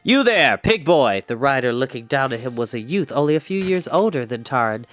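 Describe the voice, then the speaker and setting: A man reading a fantasy novel aloud as an expressive storyteller. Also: medium pitch, fast. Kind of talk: expressive audiobook-style narration. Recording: music playing behind the voice. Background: background music.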